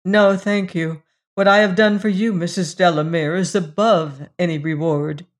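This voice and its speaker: A proud young gypsy woman of the slums, as a woman narrator plays her in a storybook reading. She speaks gravely and curtly, keeping herself in check with noble scorn. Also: fairly low pitch, fairly even intonation, moderate pace, close to an everyday voice. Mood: scornful. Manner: curt, grave, self-controlled.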